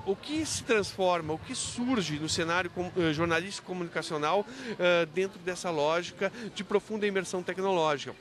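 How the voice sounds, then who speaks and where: In an unscripted interview about his book, a university professor takes a teaching tone, asking rhetorical questions and frequently double-checking himself. He speaks with a fairly high pitch and a fairly bright tone.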